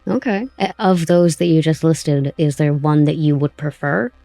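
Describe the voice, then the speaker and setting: A podcast host with a heavily creaky, gravelly voice interviews a guest in a conversational way. The voice sits at a middling pitch and sounds very dry and close, with faint music behind it. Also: fairly even intonation, moderate pace, warm tone, no room sound. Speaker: host, writer of an audio drama.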